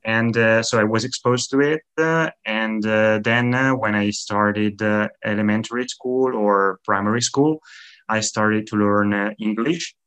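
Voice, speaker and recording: A man's voice: fairly low pitch, a little slow, fairly bright tone, clean tone. A man in his twenties, a native Italian speaker, answering interview questions in a friendly, hesitant way with many fillers. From Italy. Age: 20s. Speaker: guest, language teacher and YouTuber.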